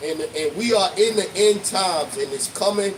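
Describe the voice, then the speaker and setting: A man is shouting, loud and high in pitch, at a fairly slow pace. His pitch variation is ordinary, with noticeable background noise behind him. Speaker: street preacher. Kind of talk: street preaching. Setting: outdoors on the street. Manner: loud, yelling; halting with repetitions.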